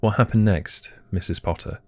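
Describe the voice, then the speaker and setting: A woman playing a very deep-voiced interviewer. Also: moderate pace, a little mellow. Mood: probing. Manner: level, probing questions. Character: calm questioning interviewer. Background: faint music.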